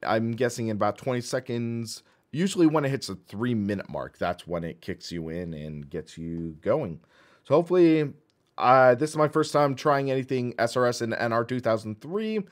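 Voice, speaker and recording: A man with a hoarse voice casually narrating a sim racing live stream, thinking aloud as he goes. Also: mid-range voice, lively intonation, moderate pace. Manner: chatty, thinks aloud while clicking menus.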